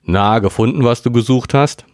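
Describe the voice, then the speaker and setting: A man's voice: mid-range voice, moderate pace, clean tone, dry recording, clean studio sound, voice pushed up, natural voice. A man reading aloud voices a smug, menacing older teenage boy with an oily, taunting manner.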